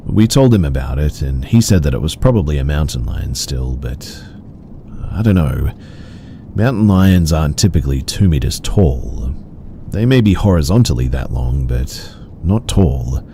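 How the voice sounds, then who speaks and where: A man reading out horror stories in an even, measured storytelling delivery. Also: a bass voice, a little hiss or hum. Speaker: story narrator. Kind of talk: scripted horror story narration.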